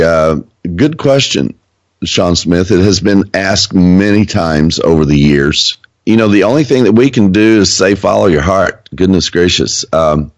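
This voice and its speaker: A man's voice: sits low, no room sound. A man hosting a podcast, answering a listener question in a loose, rambling way. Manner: rambling, many fillers and restarts. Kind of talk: casual chat.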